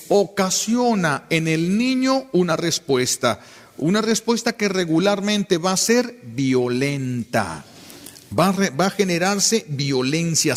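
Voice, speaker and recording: A man's voice: a little high, in a large hall. A man, a priest giving an emphatic sermon and repeating key phrases for weight.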